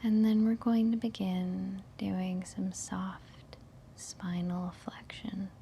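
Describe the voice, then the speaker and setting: A woman leading a guided meditation in a soft, breathy whisper, giving gentle, soothing instructions with long pauses. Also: mid-range voice, level tone, slight background noise.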